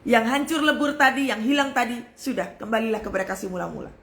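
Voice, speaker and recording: A woman's voice: fairly high pitch, animated, quick pace, a bit bright, reverberant, a little hiss or hum. A woman pastor preaching a fervent sermon, often calling out to her listeners. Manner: fervent preaching, addresses listeners as brothers and sisters.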